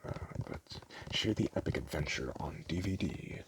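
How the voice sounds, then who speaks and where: A man doing a soft-spoken ASMR roleplay as a store clerk, talking in a casual, hesitant, rambling way. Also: rumbling low, moderate pace, noisy background. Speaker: ASMR creator playing a DVD store clerk.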